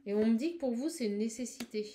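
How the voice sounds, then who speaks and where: A fairly high-voiced woman giving a spiritual card reading straight to her viewers. She talks quickly and gushes with exclamations. A faint hiss and the odd click sit under her voice. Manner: effusive, fast, exclamatory, addresses viewer directly. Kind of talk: live tarot-style channeling reading.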